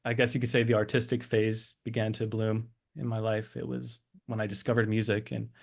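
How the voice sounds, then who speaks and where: A man's voice: on the low side, flat delivery, brisk, creaky. A man in his thirties from Switzerland and the United States, reflecting on personal experience as an interview guest, often searching for words.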